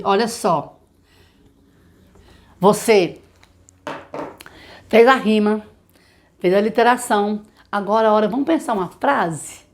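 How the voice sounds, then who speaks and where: A woman with a Brazilian Portuguese accent, a literacy teacher explaining methods to other teachers, asking rhetorical questions and slowly sounding out example words. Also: medium pitch. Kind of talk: teacher training lesson.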